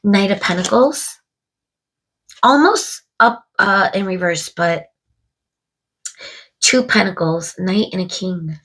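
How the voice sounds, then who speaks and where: A woman's voice: mid-range voice, slow pace, long pauses, fairly bright tone, rough recording. Stuffy-nosed woman reading tarot. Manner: musing aloud, addressing spirit and viewers. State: stuffed up from a cold. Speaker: tarot reader. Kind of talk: casual tarot card reading to camera.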